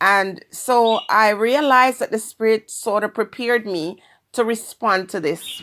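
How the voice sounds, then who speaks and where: Over a silent background in a very clean recording, a woman speaks with a Jamaican accent. Her fairly high pitch carries a bright, sharp tone and ordinary pitch variation. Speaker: YouTube commentator. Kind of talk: opinion monologue.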